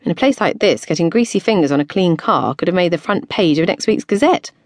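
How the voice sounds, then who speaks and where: A woman narrator voicing a feisty, quick-tempered woman in her late twenties, with sharp, indignant delivery. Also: expressive, dry recording, studio quality. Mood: wry. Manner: indignant outbursts, shrill when cross.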